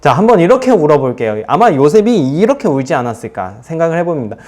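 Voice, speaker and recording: A man's voice: fairly high pitch, very animated, fast talker, background noise. A male youth pastor preaching to teenagers, retelling a Bible story expressively with playful asides.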